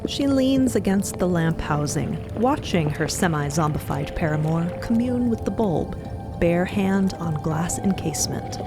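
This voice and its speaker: A woman's voice: lowish voice, lively intonation, unhurried. A woman narrating a scripted, playful audio drama as one of its storytellers. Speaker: narrator and voice actor. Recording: music behind.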